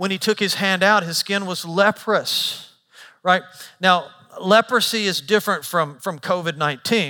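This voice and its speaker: A man speaks in a raised, projected voice at a high pitch. His pace is moderate and his pitch variation ordinary. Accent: Tennessee. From US South. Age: 50s. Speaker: pastor. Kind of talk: sermon. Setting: church.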